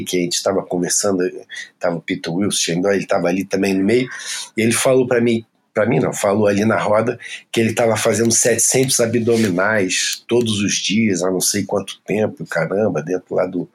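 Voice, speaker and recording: A Brazilian man with a Brazilian Portuguese accent, telling a story as an interview guest in a casual, profane and animated way. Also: on the low side, brisk.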